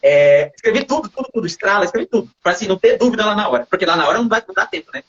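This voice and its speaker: A man with a Brazilian Portuguese accent tells a story as an interview guest, animated, acting out quoted dialogue and often adding tag questions. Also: sits high, racing, breathy edge, highs cut off. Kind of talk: casual storytelling in a livestream interview.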